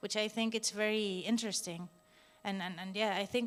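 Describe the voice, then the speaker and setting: A woman talks with a Spanish accent. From Spain, Basque Country (Bilbao). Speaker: author. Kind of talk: interview at a literary event. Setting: stage with audience. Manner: halting, many repetitions.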